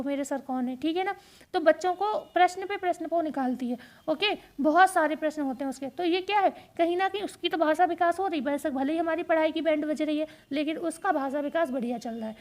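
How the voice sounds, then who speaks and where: A woman with a high, light voice gives an exam-prep lesson. She explains each point step by step and drills the key facts by asking a question and answering it herself. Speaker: teacher.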